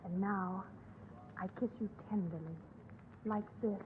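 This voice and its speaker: A woman's voice: mid-range voice, steady tone, measured pace, natural voice. An actress playing a flirtatious woman wooing a man, coaxing and seductive, in a 1940s radio comedy. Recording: tinny, noisy old radio broadcast.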